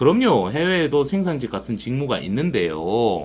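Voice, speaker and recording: Vocal fry runs through this man's voice as he speaks at a moderate pace. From South Korea. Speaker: overseas job consultant. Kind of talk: casual Q&A talk. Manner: animated, conversational.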